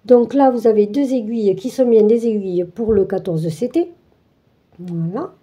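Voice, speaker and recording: A woman's voice: mid-range voice, normal speed, warm tone. A woman hosting a craft channel, chatting through an unboxing with many fillers and restarts. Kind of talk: casual unboxing walkthrough.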